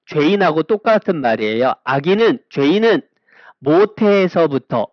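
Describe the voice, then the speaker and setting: A man's voice: fairly high pitch, no room sound. A man teaching a Bible lesson to young children, asking them questions and answering with a repeated refrain. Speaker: Sunday school teacher. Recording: dull lo-fi sound.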